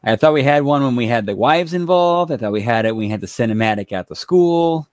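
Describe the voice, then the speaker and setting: A man co-hosting a wrestling podcast, chiming in with quick opinions and leaning on "like" as he talks. His pitch sits in a middle range. The sound is dry and close, with no room echo. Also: lively intonation. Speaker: podcast co-host. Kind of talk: casual wrestling recap chat.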